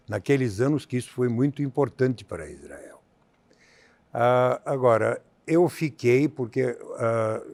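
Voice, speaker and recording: A man in his seventies from Bulgaria, speaking with a Bulgarian accent as a guest in an interview on a theater stage, measured and halting with many fillers. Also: medium pitch, vocal fry, a little mellow, no room sound. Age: 70s. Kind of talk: stage interview on a TV talk show.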